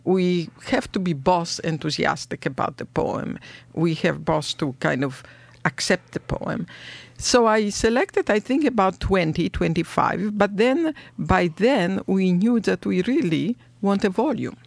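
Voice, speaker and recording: Polish-accented woman translator, slow and thoughtful, lively pitch, gravelly edge. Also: no room sound. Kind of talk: radio interview.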